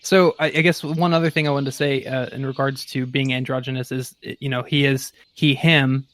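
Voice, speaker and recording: A man playing a tabletop role-playing game, casually describing his character in a thoughtful, halting way as he rephrases. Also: medium pitch, steady tone, fairly bright tone.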